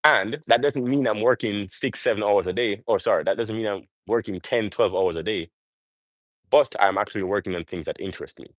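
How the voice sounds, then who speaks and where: Man, lowish pitch, dry close sound, unscripted motivational talk, emphatic delivery, frequent rhetorical questions. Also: fairly quick, dry recording. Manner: emphatic, repeating rhetorical questions, seeking agreement. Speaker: motivational livestream host.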